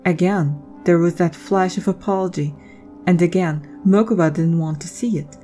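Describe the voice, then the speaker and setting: A woman's voice: on the low side, moderate pace, mellow, soft background music. A woman reading scripted story narration as the narrator of a drama.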